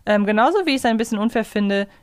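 A woman's voice: medium pitch, racing, clear, resonant tone, no room sound. Female co-host, reflective and conversational, mid-range voice, dry studio-like recording. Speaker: podcast co-host. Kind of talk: casual fan discussion of an audio drama.

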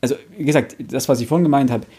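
A man's voice: medium pitch, racing, mellow, husky. A man in a casual discussion, explaining things like a knowledgeable fan. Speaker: book podcast panelist.

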